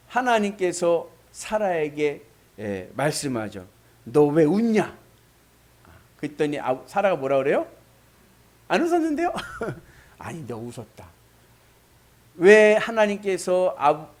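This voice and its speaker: A man preaching a sermon, emphatic, with loud exclamations and questions to the congregation. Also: on the high side. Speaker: pastor.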